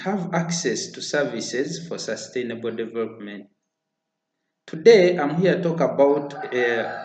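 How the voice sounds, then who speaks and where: A man, giving an earnest prepared pitch as founder of a community charity, often hesitating with fillers. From Uganda. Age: 30s. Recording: roomy echo.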